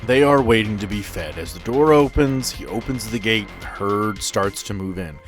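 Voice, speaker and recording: A man's voice: fairly low pitch, normal speed, soft background music. A man narrating a tabletop role-playing game as game master.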